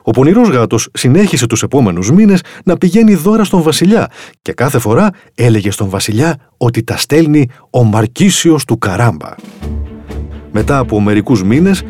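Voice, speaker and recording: Expressive man reading a storybook. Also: medium pitch, no room sound, faint music behind. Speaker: narrator.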